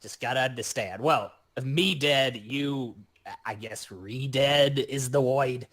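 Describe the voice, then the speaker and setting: A man's voice: medium pitch, takes it slowly, a bit bright. A man voicing a cheeky, wisecracking goblin demolitionist in a tabletop role-playing game, flippant and casual. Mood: wry, casual.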